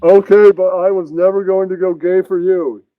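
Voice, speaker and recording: A man's voice: sits high, level tone, normal speed, no room sound, narrow, tinny audio, voice pushed up, close to an everyday voice. A man voicing a crude, bickering puppet in improvised adult comedy, blustering bluntly and babbling nonsense syllables.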